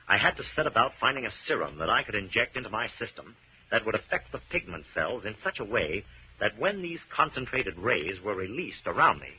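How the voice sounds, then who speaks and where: Firm scientist inventor, very husky, lively intonation, precise explanations, muffled vintage radio drama. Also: male voice, mid-range voice. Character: earnest, firm, protective male scientist inventor. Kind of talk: 1940s radio drama acting. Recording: muffled old radio recording.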